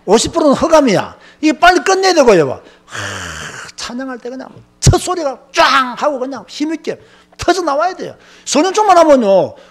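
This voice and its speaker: Male pastor, high-pitched and emphatic storytelling sermon delivery. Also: moderate pace. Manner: emphatic, animated storytelling with many filler words.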